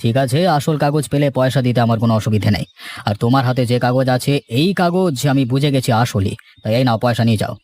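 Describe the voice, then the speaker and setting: A man playing a shrewd, seasoned land broker in a cartoon, giving measured, matter-of-fact advice and cautions. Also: medium pitch, darkish tone, slight background noise, close to an everyday voice. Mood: businesslike, cautioning. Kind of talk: dramatized cartoon dialogue.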